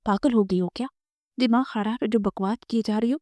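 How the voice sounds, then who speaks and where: A woman's voice: fairly high pitch, fairly even intonation, no echo, close to an everyday voice. Woman doing a stern, protective young man. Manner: stern, sharp scolding.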